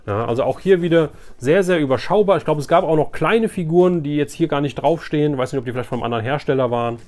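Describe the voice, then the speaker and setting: A man's voice: a little high, quick pace, darkish tone. A man presenting as a toy collector in a casual, enthusiastic, rambling chat to viewers. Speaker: toy collector, video host.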